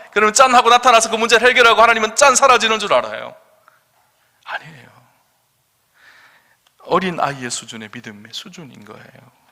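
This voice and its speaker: Male pastor, sermon delivery, slightly high voice, emphatic questions to the pews, echoing sanctuary. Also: bright, forceful tone. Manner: emphatic, asks the congregation questions. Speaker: senior pastor. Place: church sanctuary. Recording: long church hall reverb.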